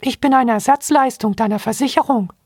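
A man voicing a tiny male robot capuchin monkey with a piping, squeaky voice, eager and helpful. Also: fairly quick, darkish tone, breathy edge, no echo, studio quality.

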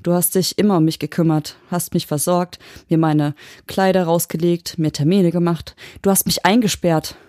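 Frightened trapped woman, read by a woman, high strained voice, shrill and trembling, dry close sound. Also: steady tone, moderate pace, hardly any pauses, dark tone, no echo, natural voice. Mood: bitter, upset. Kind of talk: audiobook reading.

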